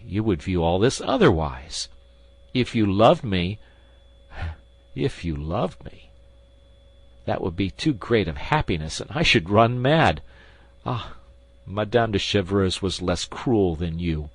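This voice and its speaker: A man's voice: deep voice, husky, no echo, full character voice. A man reading an audiobook, voicing a passionate, reckless nobleman with fervent delivery. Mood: ardent.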